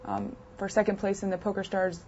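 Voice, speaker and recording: Young woman, interview guest, chatty with fillers; middle pitch, lo-fi recording. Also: flat delivery, fairly quick, a little mellow, slight background noise. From United States, partly raised in France. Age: 20s. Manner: chatty, many fillers and restarts. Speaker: interview guest, poker player. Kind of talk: casual interview answers. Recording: dull lo-fi sound.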